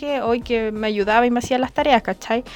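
A woman speaks in a high voice with a Chilean accent. Noticeable background noise can be heard. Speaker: podcast co-host. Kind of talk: casual chat.

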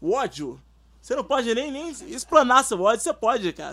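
A man's raised, projected voice, extremely high in pitch, bright and sharp in tone, with very wide pitch swings at a moderate pace. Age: 30s. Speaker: podcast co-host. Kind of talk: casual comedic chat.

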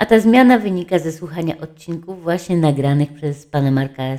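A woman with a dark, mellow tone. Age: 50s. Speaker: podcaster. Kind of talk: personal monologue. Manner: chatty, informal.

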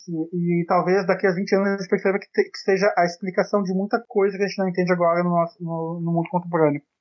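A high-pitched man at a very fast pace, monotone and flat in intonation, with hardly any pauses. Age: 30s. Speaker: writer and screenwriter. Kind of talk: casual chat.

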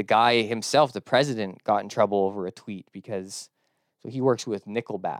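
An ordinary speaking voice from a man, fairly low in pitch and fairly even in intonation, at a moderate pace, with a dry, close sound with no echo on a very clean recording with a silent background. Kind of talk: casual chat. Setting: studio.

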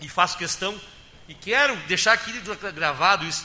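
Amid noticeable background noise and audible room echo, a man with a high pitch projects a raised voice with lively intonation. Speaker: city councillor. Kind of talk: council speech.

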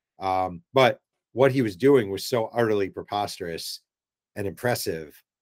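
An unremarkable speaking voice from a man with an American accent, fairly low-pitched with ordinary pitch variation at a moderate pace, dry and close with no echo, on a very clean recording with a silent background. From New York State, US. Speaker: author and former sports journalist. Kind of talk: casual interview chat.

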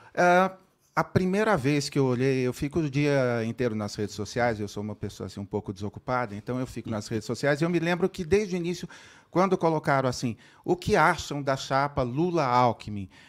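In a very clean recording with a silent background, a man with a normal speaking voice talks at a fairly quick pace, with a fairly high pitch and lively intonation. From Marília, São Paulo state, Brazil. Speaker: podcast host. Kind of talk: interview.

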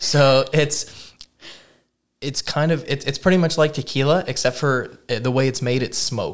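A plain, everyday voice with fairly even intonation, delivered at a moderate pace. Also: man, fairly high pitch for a man, very clean recording, silent background. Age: 20s. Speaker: podcast host. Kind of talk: casual interview chat.

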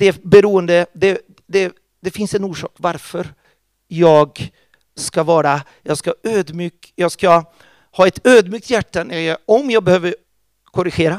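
Long, frequent pauses break up speech at a fairly slow pace with ordinary pitch variation. The sound is dry and close, with no echo. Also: man, high pitch for a man. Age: 50s. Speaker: church teacher. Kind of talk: teaching seminar.

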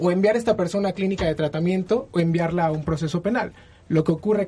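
A man's high voice, dark and mellow in tone, at a very fast pace with ordinary pitch variation. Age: 20s. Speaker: journalist. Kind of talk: news interview.

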